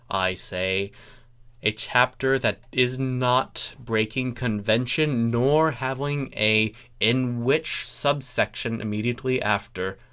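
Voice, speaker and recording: A narrator reading comic fan fiction aloud in a deliberate, theatrical way, with wry asides. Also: medium pitch, fairly bright tone, smooth. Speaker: narrator, story reader.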